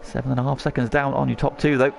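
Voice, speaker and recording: A man's voice: medium pitch, little pitch movement, quick pace, creaky, noisy background. A man working as lead motorsport commentator on a race, calling the action in short present-tense phrases.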